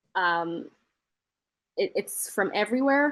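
A woman with an Israeli accent speaks with ordinary pitch variation. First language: Hebrew. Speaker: news anchor and journalist. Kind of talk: interview. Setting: video call.

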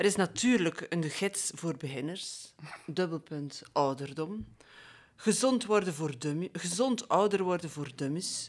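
A woman with an unremarkable speaking voice talks at a fairly slow pace. Her pitch is fairly low, and her intonation is lively. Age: 50s. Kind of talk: casual chat.

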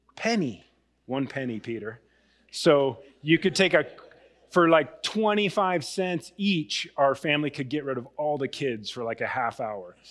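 In a very clean recording with a silent background, a man speaks at a fairly high pitch. His pace is fairly slow and his intonation lively. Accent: West Coast. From Oregon, near Portland. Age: 40s. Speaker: pastor. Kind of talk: sermon. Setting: church. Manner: halting.

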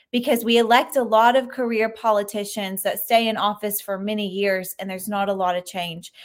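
A woman with a Southern US accent is heard in a very clean recording with a silent background. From Arkansas. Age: 20s. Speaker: political candidate. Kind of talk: interview.

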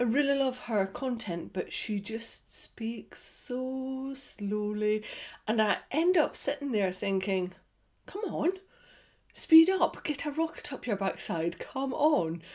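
In a Scottish accent, the speaker goes at a very slow pace with very wide pitch swings, on a very clean recording with a silent background. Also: woman, high pitch for a woman. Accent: soft Scottish. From Scotland. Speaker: podcast host. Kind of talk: casual chat.

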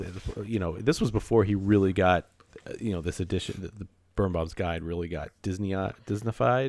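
A man talks at a moderate pace in a fairly low pitch. His is a plain, everyday voice. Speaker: podcast host. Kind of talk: casual podcast chat.

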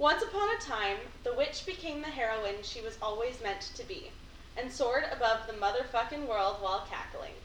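A woman talks with a high pitch and very wide pitch swings, keeping a moderate pace while noticeable background noise goes on. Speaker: podcast co-host. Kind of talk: casual chat, poetry guessing game.

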